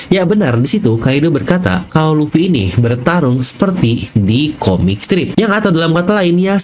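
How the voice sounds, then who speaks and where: Indonesian male YouTube narrator, very animated mid-range voice, chatty and playful, slight noise behind. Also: mid-range voice. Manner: chatty, playful, addresses viewers directly. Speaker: YouTube channel host. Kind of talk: anime theory video narration with casual slang asides.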